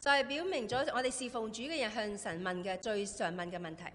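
A woman's voice: mid-range voice, quick pace, a bit bright. A woman with a Cantonese accent who interprets a sermon phrase by phrase, right after the preacher. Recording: long reverb of a church hall.

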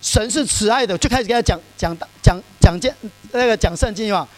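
A man with a high voice preaches to his congregation in an easy, conversational way. He keeps asking the listeners questions and fills his pauses with short sounds. A faint electrical hum sits under the recording. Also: rough recording. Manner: conversational preaching with frequent fillers and rhetorical questions. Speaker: pastor. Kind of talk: sermon.

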